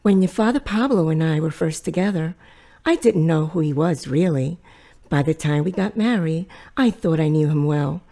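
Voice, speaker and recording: A woman's voice: sits low, moderate pace, gravelly, warm tone. A woman playing a middle-aged, loving but pushy Latina mother in an audio drama, fussing and probing. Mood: grave, reflective.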